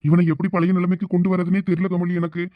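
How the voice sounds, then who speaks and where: Guy playing a stressed loyal buddy, fast and urgent. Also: high voice, completely flat delivery, no room sound, phone-quality sound, lightly acted. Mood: worried. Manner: urgent, pleading. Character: worried loyal male friend.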